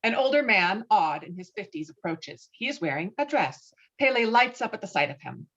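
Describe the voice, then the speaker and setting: A woman's voice: medium pitch, sing-song, normal speed, fairly bright tone. A woman reading stage directions as narrator of a screenplay table read, on slightly muffled online call audio.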